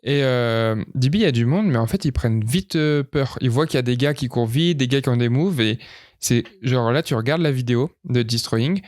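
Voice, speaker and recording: A man's voice: mid-range voice, a little fast, darkish tone, no echo, clean studio sound. A man co-hosting a podcast, chatting casually and agreeing as he chimes in. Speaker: podcast co-host. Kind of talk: casual chat.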